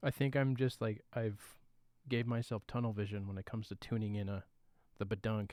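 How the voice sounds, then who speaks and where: A soft-spoken man talks at a fairly quick pace with fairly low pitch and fairly even intonation. The recording is very clean, with a silent background. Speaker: guitarist streamer. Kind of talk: casual live stream chat. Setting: live stream.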